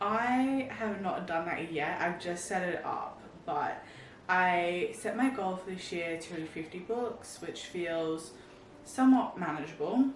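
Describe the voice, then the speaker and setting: A woman with an Australian accent, medium pitch and lively intonation, speaking at a fairly slow pace, with audible room echo and noticeable background noise. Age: 20s. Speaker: book youtuber. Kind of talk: casual chat. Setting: talking to camera.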